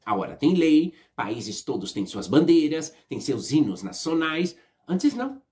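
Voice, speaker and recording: A woman's voice: deep voice, sing-song, unhurried, dark tone. A Brazilian woman with a Brazilian Portuguese accent, talking straight to her viewers in a casual opinion vlog, emphatic and repeating herself, often tagging "né?" and "tá?". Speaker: vlogger.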